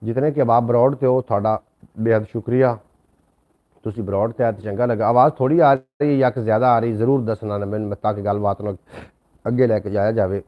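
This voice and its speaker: A man's voice: lowish voice, steady tone, moderate pace, lo-fi sound. A man hosting a casual live stream, courteous and full of blessings and thanks for his viewers. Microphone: new microphone.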